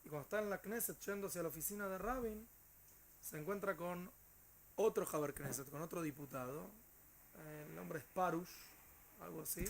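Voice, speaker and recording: A male teacher with a Rioplatense Spanish accent, telling a story to his class in an animated way with hesitant fillers. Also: sits high, normal speed, creaky.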